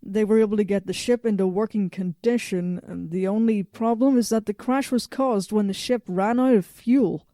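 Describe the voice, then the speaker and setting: A self-assured female robot from the future played by a woman speaks in a mellow, relaxed voice. She is blunt and faintly condescending, matter-of-fact in audio drama dialogue, recorded dry and close. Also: medium pitch, normal speed, hardly any pauses, no echo, natural voice. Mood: smug, confident.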